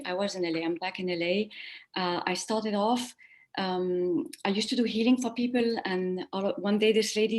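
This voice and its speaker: A woman guest recounting her own story in a loose, rambling way. She restarts her sentences and laughs lightly now and then. Her voice sits at a middle pitch. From born in America, raised in Spain and France. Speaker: guest, animal communicator. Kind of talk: conversational interview storytelling.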